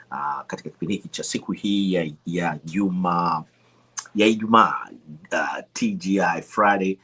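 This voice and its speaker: A male show host with a very deep, husky voice, introducing a guest from a temporary studio. He speaks haltingly, filling pauses with long drawn-out sounds. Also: fairly bright tone. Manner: halting, many drawn-out "ah" fillers. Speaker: host, broadcaster.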